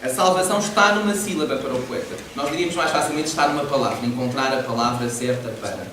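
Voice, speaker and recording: A man's voice: mid-range voice, quick pace. A man teaching a poetry class, explaining with animation and frequent laughs. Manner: lively, explanatory, laughs often. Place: large echoey library hall. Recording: echoey hall, distant mic, noisy.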